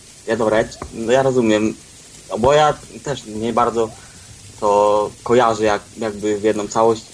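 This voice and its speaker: A man speaks in a monotone, flat way at a moderate pace, leaving long, frequent pauses, with noticeable background noise behind him. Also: medium pitch for a man. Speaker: caller. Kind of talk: heated debate.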